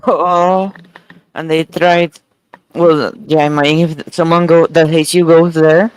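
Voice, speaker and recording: A man's voice: fairly high pitch, level tone, takes it slowly, clean tone, dry recording, poor audio. A man chatting casually on a podcast.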